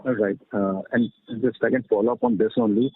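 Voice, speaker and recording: A male analyst with a husky voice asking questions on an earnings call. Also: fairly low pitch, fairly even intonation, fairly quick, slight background noise. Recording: dry, muffled narrowband phone line.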